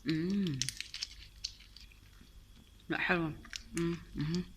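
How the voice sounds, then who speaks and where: Speaking slowly and steadily in a voice on the low side, a vlogger with an Egyptian Arabic accent tries sweets amid a noisy background. Her casual taste-test chat is full of gushing, repeated words, and English and French borrowings.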